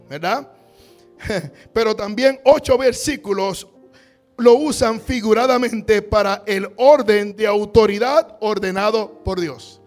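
Pastor, male, high voice, call-and-response sermon over soft music. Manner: call-and-response preaching, rising to shouts.

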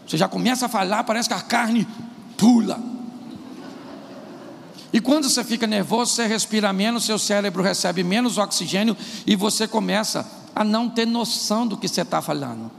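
Pastor, male, high gravelly voice, animated sermon delivery, echoey hall recording. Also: normal speed. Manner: animated preaching, acts out quarrels in put-on voices. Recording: echoey hall with faint noise.

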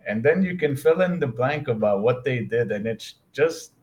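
A man's voice: medium pitch, moderate pace. Easygoing man, filler-heavy speech. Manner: relaxed, hesitant with many "uh" fillers. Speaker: interview guest. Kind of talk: casual conversational interview.

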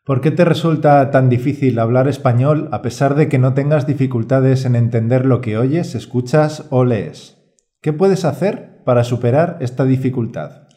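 A man presenting a Spanish course as a teacher and podcast co-host, calm and reassuring in a scripted delivery. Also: mid-range voice, normal speed.

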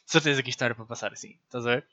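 A man with a European Portuguese accent, co-hosting a casual gaming podcast over a degraded, half-robotic remote call, relaxed and mixing in English slang. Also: medium pitch, very fast, no room sound. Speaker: podcast co-host. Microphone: remote call from outside the studio. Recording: dull lo-fi remote line.

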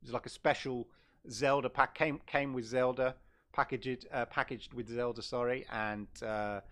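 A man's voice: mid-range voice, steady tone, moderate pace, fairly bright tone. Chatty man rambling on stream. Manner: rambling, chatty, self-correcting. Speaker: gaming channel host. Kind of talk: casual livestream chat.

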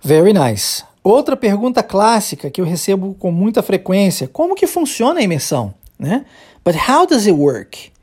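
An English teacher from Brazil with a Brazilian Portuguese accent gives a podcast lesson. The teacher explains patiently, then says short phrases slowly and repeats them for drilling. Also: mid-range voice, big pitch swings, a little mellow, husky.

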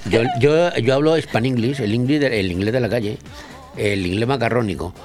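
A man's voice: mid-range voice, moderate pace, music in the background. A Spanish man hosting a radio show in a studio, joking and teasing his guest. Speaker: radio host. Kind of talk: radio chat interview.

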